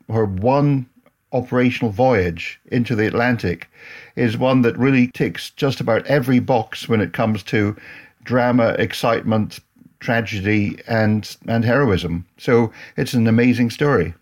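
A man speaking as a historian guest on a podcast, giving measured, explanatory answers. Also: medium pitch, a little mellow.

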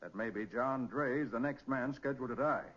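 An actor playing a shrewd, authoritative American detective in a 1940s radio crime drama, speaking briskly and deliberately. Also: male voice, mid-range voice, a bit bright, natural voice. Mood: commanding. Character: shrewd, composed male master detective leading a murder case. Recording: muffled old 1940s radio recording.

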